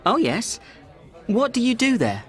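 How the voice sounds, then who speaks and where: A speaker voicing a friendly questioner in a scripted practice dialogue for learners, with a very lively sing-song intonation. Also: mid-range voice, measured pace. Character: friendly questioner meeting new people.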